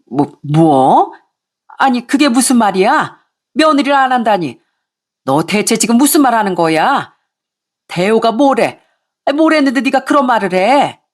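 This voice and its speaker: A woman voicing an angry middle-aged mother-in-law who scolds and nags in a shrill voice. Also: very animated. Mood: outraged. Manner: shrill, scolding, rapid nagging.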